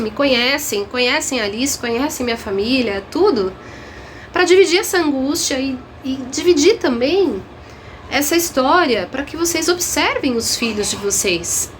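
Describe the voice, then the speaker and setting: A woman's voice: sits high, a little hiss or hum. A young adult woman, a mother and channel host, telling her viewers a story in a casual, earnest and emotional way. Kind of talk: casual vlog talk to viewers.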